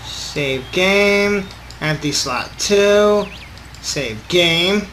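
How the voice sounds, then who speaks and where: A man with a slightly high voice plays host on a gaming video, reading visual novel text aloud. His delivery is informal and a bit halting, breaking off for casual remarks of his own. There is noise behind the voice. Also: expressive, a bit bright. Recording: clearly audible background noise.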